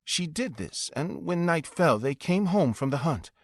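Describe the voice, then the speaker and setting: A man narrating a scripted fairy tale in an expressive, dramatic storytelling manner. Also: on the high side, measured pace, no echo. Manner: expressive, dramatic reading with acted dialogue.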